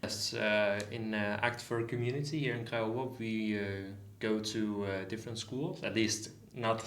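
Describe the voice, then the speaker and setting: A 20-year-old Danish man joins a podcast as a volunteer guest, speaking in a fairly low, slightly bright voice with fairly even intonation and no hurry. He rambles in casual chat, full of "uh" and "like" and restarts, and the room sounds echoey.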